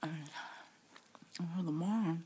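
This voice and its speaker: A middle-aged woman telling a rambling story in a soft whisper while she eats between sentences. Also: fairly low pitch, extremely slow, background noise. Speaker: vlogger.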